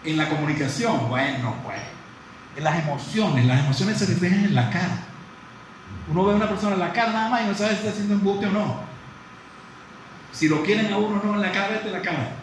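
A man's voice: high-pitched, a little fast. Man lecturing in a very echoey hall. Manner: lively, conversational, asks the audience questions. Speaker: psychologist lecturing dentists. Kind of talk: live lecture to an audience. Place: large room with audience. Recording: very echoey hall from far off, faint noise.

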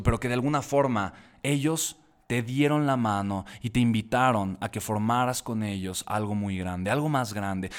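A man, an entrepreneur telling an animated personal story and repeating words for emphasis. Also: mid-range voice.

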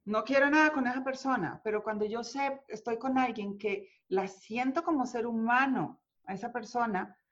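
A woman guest speaking about charisma, emphatic and deliberate, counting off her points. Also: a little high, fairly bright tone. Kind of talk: motivational interview talk. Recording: slightly dull lo-fi sound.

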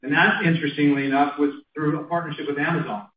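A man's voice: fairly high pitch, fairly even intonation, fast, lo-fi sound, a little hiss or hum. Roomy, distant-sounding corporate executive man. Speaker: company executive. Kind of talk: earnings call answers, corporate business talk. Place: conference call from a room.

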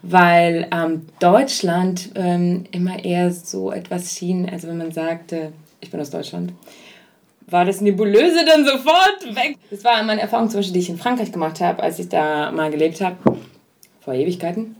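A woman's voice: fairly low pitch, normal speed, a little mellow. A young woman from Kazakhstan co-hosting a podcast, chatting casually with many fillers and frequent laughs. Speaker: podcast co-host.

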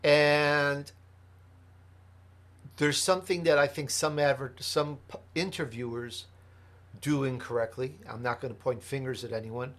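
A man's voice: mid-range voice, fairly even intonation, a little slow, pauses often, fairly bright tone. A man from Chicago, a podcast host answering interview questions in an earnest, emphatic way, building his points through lists. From Chicago, United States.

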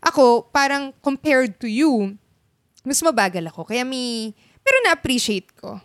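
A Filipino woman with a slightly high voice chats casually about movies. She thinks aloud and uses easy fillers as she talks. The sound is dry and close, with no room echo. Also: animated, measured pace. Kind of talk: casual chat about films.

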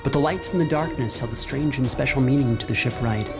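A man's voice: medium pitch, fairly quick. A man narrating a horror fantasy game as game master, in a solemn, suspenseful, dramatic style. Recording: loud music bed. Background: music.

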